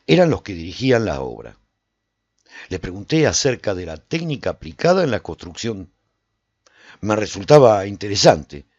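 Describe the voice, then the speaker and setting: A man playing a reflective survivor, narrating a post-apocalyptic radio serial in the first person in a measured, dramatic way. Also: fairly low pitch, darkish tone, no room sound, highs cut off. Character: reflective male survivor recounting life in a post-apocalyptic walled city.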